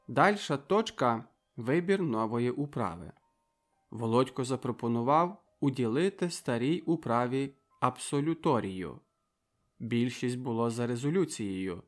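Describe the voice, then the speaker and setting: Male audiobook narrator, steady measured delivery, mid pitch, soft music underneath. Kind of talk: scripted narration.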